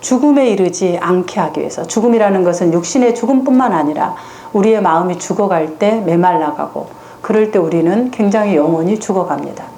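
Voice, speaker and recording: A woman's voice: fairly low pitch, a little fast, warm tone, a little hiss or hum. A woman giving a public lecture to parents in a hall, asking the audience questions and answering them herself.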